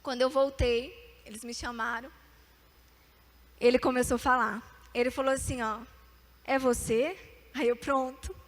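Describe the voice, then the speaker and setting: A woman's voice: high voice, a bit bright. A young woman from Brazil preaching to a youth group, telling her own story and calling out for amens and repeat-after-me lines. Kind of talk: sermon with testimony.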